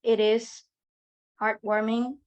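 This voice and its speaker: Woman on a video call sharing her story, talks slow, keeps stopping to find words. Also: on the high side, flat delivery. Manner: halting, searching for words. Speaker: audience participant in an online discussion. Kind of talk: personal testimony.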